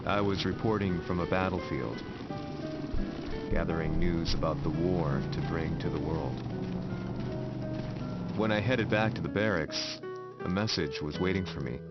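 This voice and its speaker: A man's voice: sits low, a little slow, long pauses. A man narrating as a war journalist in a video game, somber and reflective. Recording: muffled game audio with music.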